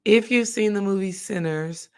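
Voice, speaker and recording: A woman, hoarse from coaching, chatting casually on a live stream as a spiritual healing coach. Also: medium pitch, normal speed, crowd noise. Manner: chatty, addresses viewers directly.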